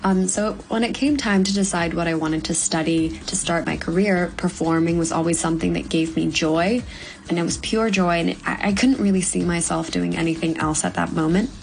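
A woman in her twenties from Hong Kong, a young actor giving earnest, measured interview answers with the odd "um". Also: lowish voice, steady tone, vocal fry, slight background noise, rough recording. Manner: earnest, measured, with frequent ums. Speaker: guest actor.

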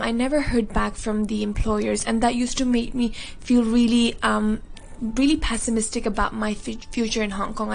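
Earnest young woman student, higher voice. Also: creaky. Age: 20s. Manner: earnest, many fillers, softening toward the end. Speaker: university student, charity beneficiary. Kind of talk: recorded interview testimony.

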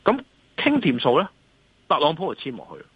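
Over a dull, lo-fi call line, a husky-voiced man with a Hong Kong accent gives market commentary. His pitch swings widely as he argues emphatically and keeps asking the listener to agree. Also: very animated, fairly quick, dry recording. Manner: emphatic, repeatedly seeks agreement with rhetorical questions. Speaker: financial analyst and columnist, guest. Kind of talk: off-the-cuff market commentary in an interview.

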